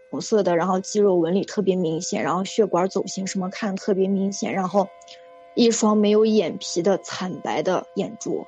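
A woman's voice: medium pitch, a little mellow, highs cut off. A woman, a community health worker, earnestly telling a vivid, repetitive personal story. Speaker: guest telling a ghost story. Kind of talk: casual spoken storytelling.

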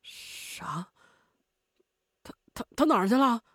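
Casting: a woman as a terrified, stammering man. He is high, loud and quick, and the sound is dry. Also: very animated, no room sound. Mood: panicked. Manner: stammering, rushed, pleading. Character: panicky stammering man, frightened worker.

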